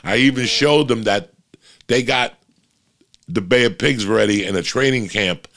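Male podcast host, New Jersey accent, low and gravelly, profane storyteller. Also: measured pace, a bit bright. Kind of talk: casual chat.

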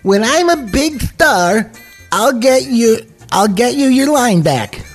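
A man doing a squeaky frantic cartoon toon. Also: big pitch swings, takes it slowly, soft background music, full character voice. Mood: eager. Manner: high, pleading, comic squeals. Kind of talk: script table read.

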